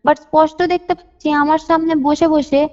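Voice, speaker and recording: High-pitched young woman on a call. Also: level tone, normal speed, dark tone. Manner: detailed, repeats phrases for emphasis. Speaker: caller sharing a personal ghost experience. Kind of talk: personal storytelling on a call. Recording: dull lo-fi phone call. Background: faint music.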